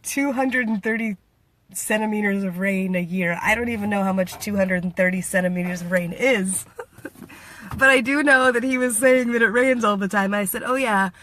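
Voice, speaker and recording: A woman from Washington State in the United States chats playfully in a casual vlog, laughing often and acting out what others said. Her voice is on the high side and a bit bright.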